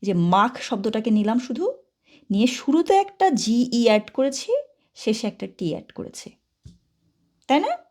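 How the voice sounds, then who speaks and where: A woman with a slightly high voice teaching a grammar lesson. She explains step by step and keeps checking that the students have understood. Her first language is Bengali. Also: big pitch swings, a little slow, long pauses, a little mellow. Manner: patient, asks many checking questions. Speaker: German teacher. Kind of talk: classroom-style grammar lesson.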